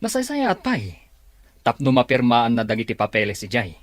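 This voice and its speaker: A man's voice: medium pitch, wildly swooping pitch, normal speed, dry recording. A man with a Filipino Ilocano accent acting an impatient, scheming office colleague in an audio drama.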